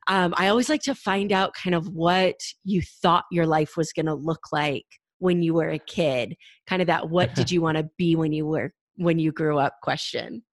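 A woman's voice: low-pitched, moderate pace, hardly any pauses, no echo. Upbeat woman podcast host, dry sound. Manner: upbeat, chatty. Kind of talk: casual interview.

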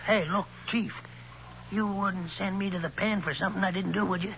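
An actor playing a frightened old hobo in a 1940s radio crime drama, whining and pleading in slangy, ungrammatical speech. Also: male voice, high-pitched, fairly even intonation, brisk. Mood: pleading, scared. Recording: muffled, noisy 1940s radio recording.

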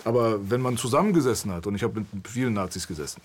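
A man's voice: on the low side, expressive, rapid-fire, a little hiss or hum. A man from Berlin, a guest in a candid conversation, telling his story in a blunt, intense way. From Berlin, Germany.

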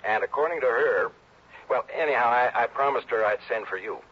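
A man playing a husky, earnest caller. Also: mid-range voice, fairly quick, close to an everyday voice. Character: businessman calling a detective on the phone. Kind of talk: 1960s radio drama acting. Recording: dull lo-fi old radio broadcast.

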